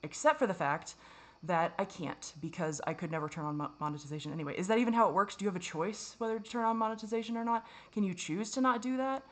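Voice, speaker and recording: A woman's voice: mid-range voice, fast. A woman vlogger speaking to camera in a rambling, self-critical confessional monologue, swearing often and restarting her sentences.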